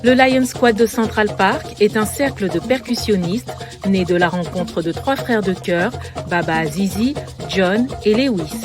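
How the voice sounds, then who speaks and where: A woman reporter reading a scripted news feature narration in a measured, lyrical way. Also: medium pitch. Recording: voice-over with music bed.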